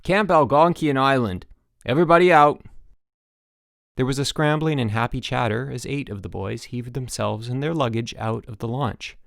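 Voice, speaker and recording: Male audiobook narrator, mid-range pitch, measured storytelling read, dry sound. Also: vocal fry, no echo.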